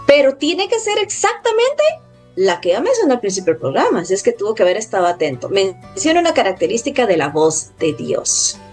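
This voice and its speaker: Lively woman radio host. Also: medium pitch, fairly quick, soft background music. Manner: lively, promotional, addresses listeners directly. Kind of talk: radio call-in show hosting.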